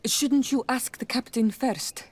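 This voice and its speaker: A woman's voice: a little high, a little slow, husky. A woman acting a proud, passionate young tribal princess, solemn and direct, in a video game. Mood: solemn, determined.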